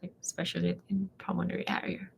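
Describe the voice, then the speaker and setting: A young woman with a Thai accent, a native Thai speaker, chatting casually in halting non-native English. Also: lowish voice, completely flat delivery, gravelly, a little hiss or hum. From Thailand. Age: young adult. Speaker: guest, medical trainee. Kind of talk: casual chat.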